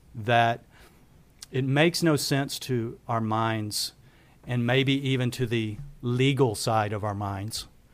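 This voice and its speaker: This man has an ordinary speaking voice, medium in pitch with ordinary pitch variation. The recording is very clean, with a silent background. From Texas. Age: 40s. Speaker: guest sharing faith story. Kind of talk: testimony.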